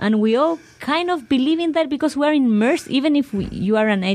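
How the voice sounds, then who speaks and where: This woman speaks with a Spanish accent at a moderate pace. Her pitch swings very widely. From Chile. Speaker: film director. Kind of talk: interview.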